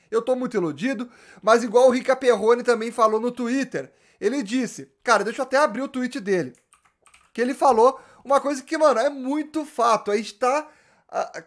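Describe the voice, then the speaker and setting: A young man, chatting animatedly to camera about football, slangy and full of restarts. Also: high-pitched. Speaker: football YouTuber. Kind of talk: casual fan commentary to camera. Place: small indoor room with gaming chair.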